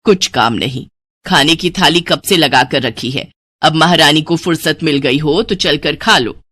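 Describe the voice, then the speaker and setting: A woman's voice: deep voice, a little slow, fairly bright tone, dry recording. A woman voicing an exasperated, scolding middle-aged mother in a storybook tale. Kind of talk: storybook voice acting.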